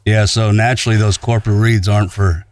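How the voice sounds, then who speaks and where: A man's voice: lowish voice, little pitch movement, fast talker, a little mellow, no room sound. A man co-hosting a podcast, chiming in with casual interjections. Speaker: podcast co-host.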